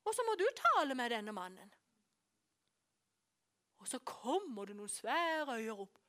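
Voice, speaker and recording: Animated high-voiced woman preacher. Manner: animated storytelling that drops to hushed whispers for emphasis. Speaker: preacher and course teacher. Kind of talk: sermon with storytelling.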